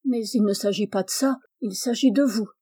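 A woman reading aloud and voicing a bluff, hearty male farmer who talks in gruff exclamations. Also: medium pitch, moderate pace, dark tone, natural voice.

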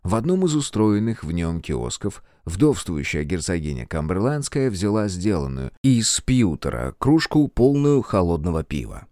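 Male narrator, low voice, lively pitch, scripted reading, dry sound. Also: moderate pace, hardly any pauses, dry recording. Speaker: audiobook narrator.

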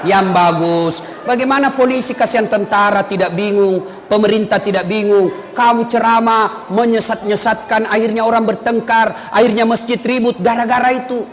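High-voiced shouting preacher in a hall. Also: male voice, moderate pace, hardly any pauses. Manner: animated storytelling, shouting punchlines, acting out characters. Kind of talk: humorous sermon to a live audience. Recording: hall reverb, faint noise.

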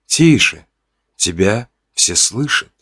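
A man's voice: fairly low pitch, very animated, takes it slowly, a bit bright, husky, heavily acted. A man doing a firm young tribal healer woman. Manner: firm, demanding.

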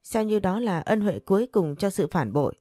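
A woman's voice: medium pitch, lively intonation, moderate pace, mellow, no echo, studio quality, lightly acted. Woman voicing a bitter betrayed patriarch. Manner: harsh, accusing. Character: stern aging male patriarch, betrayed and cold.

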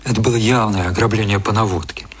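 A man narrating an audio drama in a scripted literary style, with a slightly husky voice. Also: fairly low pitch, steady tone, fast. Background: music.

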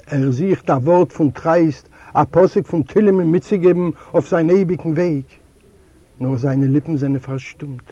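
A man, a native Yiddish speaker from Eastern Europe, narrating a literary audiobook in a measured, deliberate way. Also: medium pitch, warm tone, no room sound, dull audio. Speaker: audiobook reader.

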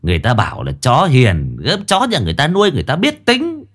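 A brash, trusting young master , as a male storyteller puts him on, coaxing. His lively voice bobs up and down with faint music beneath. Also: mid-range voice, fast talker, slightly rough, voice pushed up, exaggerated voice.

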